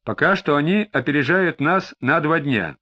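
A man voicing a calm police detective who questions steadily, with faint disdain. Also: a little high. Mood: probing. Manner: measured questioning, faintly squeamish. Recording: slightly dull lo-fi recording.

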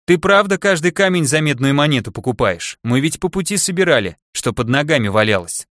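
A man's voice: a little high, big pitch swings, a little fast, no echo, studio quality. A man voicing a friendly young woman adventurer in an audiobook. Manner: bright, waving greeting.

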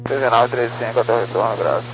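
Male pilot, cockpit headset radio, terse readbacks, mid-pitched, heavy transmission noise. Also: racing. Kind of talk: clipped radio phraseology.

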